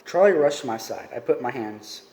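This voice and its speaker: A man reads a novel aloud in a mellow, relaxed voice, fixing his own slips and dropping in chatty asides. The sound is roomy with noticeable echo. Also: medium pitch, fairly quick. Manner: chatty, self-correcting reading. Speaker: reader reading a novel aloud. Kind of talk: casual read-aloud with asides.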